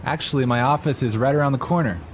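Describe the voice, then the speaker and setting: A man playing a polite businessman in a scripted language-lesson dialogue, with a standard American accent and courteous, clear enunciation. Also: medium pitch, fast, slight background noise, lightly acted. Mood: polite, brisk. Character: polite, hurried businessman, mildly sheepish with an acquaintance.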